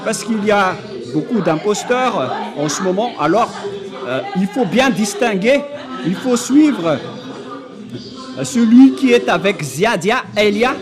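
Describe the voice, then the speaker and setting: A man preaching an emphatic sermon, often shouting, at a live church service. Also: high-pitched, lively intonation, a little slow. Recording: live church recording with music and crowd.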